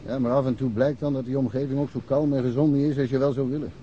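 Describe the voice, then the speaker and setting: An actor playing a talkative, folksy middle-aged provincial police inspector in a naturalistic radio drama. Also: male voice, mid-range voice, steady tone, quick pace, warm tone, natural voice. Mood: chatty, impressed. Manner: talkative, colloquial, self-deprecating. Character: chatty, folksy provincial Swedish police inspector, long-serving local. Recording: muffled, noisy radio drama recording.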